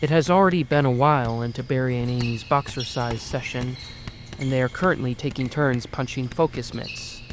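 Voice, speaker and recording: A man's voice: mid-range voice, moderate pace, background noise. A man reading scripted third-person story narration for an audio drama. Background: music under the voice.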